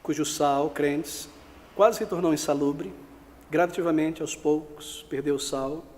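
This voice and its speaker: A man's voice: on the high side, steady tone, measured pace, a little mellow, big-room sound. A man preaching an expository sermon as pastor, pressing his listeners with rhetorical questions.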